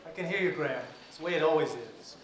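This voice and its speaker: A calm newsman comes through a clipped, crackly long-distance line, his voice a little high and quick. His short replies sound distant and roomy, as if the link barely holds. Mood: brisk. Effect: voice heard over a bad, clipped long-distance connection. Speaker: news studio contact talking with a field reporter.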